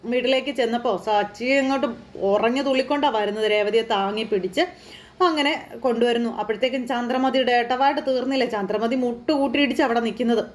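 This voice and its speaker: A woman's voice: fairly high pitch, brisk. A woman casually retelling a TV serial episode, chatty, with frequent tag words and repetition. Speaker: TV serial recap narrator. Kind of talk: casual storytelling recap.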